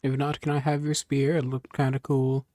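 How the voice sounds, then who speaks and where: A man's voice: medium pitch, monotone, moderate pace, a little mellow, no room sound, clean studio sound. A man giving casual, sarcastic game commentary as host of a gaming video. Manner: joking, sarcastic. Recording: game music behind the voice.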